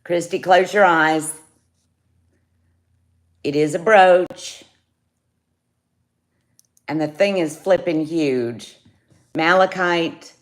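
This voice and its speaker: Very slowly and with frequent pauses, a woman with a fairly low voice talks casually on a jewelry livestream, greeting viewers by name. She's selling live from an indoor home studio.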